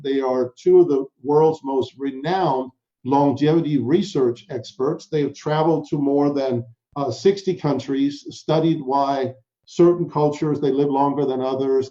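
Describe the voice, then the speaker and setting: An upbeat man from Denmark hosts an online presentation in a mellow, darker voice. He talks straight to his listeners in a chatty way. The audio sounds muffled and dull. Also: mid-range voice. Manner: upbeat, chatty, addresses audience directly. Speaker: webinar host. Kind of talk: presenting a sales webinar.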